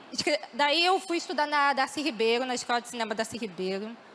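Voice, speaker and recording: Her voice pitched high, this woman speaks with lively intonation. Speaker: poet and filmmaker. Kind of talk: panel talk. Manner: fast, many restarts.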